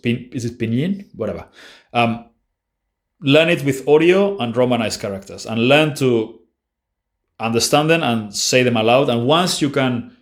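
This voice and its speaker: Blunt, offhand man answering questions. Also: mid-range voice. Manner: blunt, offhand, many restarts and fillers. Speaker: language-learning channel host. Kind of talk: casual Q&A answering viewer questions.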